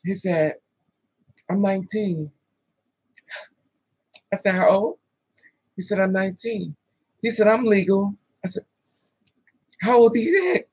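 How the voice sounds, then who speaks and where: In this casual story for the camera, a woman in her thirties describes a date, cursing freely, laughing on the side, and voicing both parties in quoted dialogue. Her husky, breathy voice has a medium pitch and an unhurried pace with frequent pauses. The recording is close and dry.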